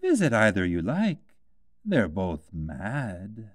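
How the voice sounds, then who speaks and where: Man as the slow, languid Cheshire Cat. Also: lowish voice, huge pitch swings, no room sound, studio quality, full character voice. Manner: slow, drawn-out, teasing delivery. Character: languid, mad, grinning male Cheshire Cat.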